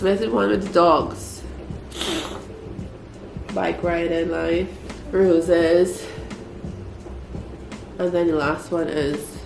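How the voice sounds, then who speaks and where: Congested and a little stuffy, this young Trinidadian vlogger talks in a creaky, medium-pitched voice with her Trinidadian accent. Her home vlog is relaxed and chatty, heavy on filler words, recorded in an echoey room with faint background noise.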